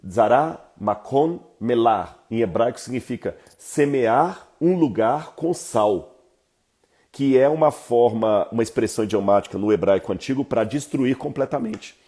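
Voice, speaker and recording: A man with a Brazilian Portuguese accent giving an informal Bible lesson, lecturing in a lively, conversational way with asides to his viewers. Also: mid-range voice, normal speed, breathy edge. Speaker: Bible teacher.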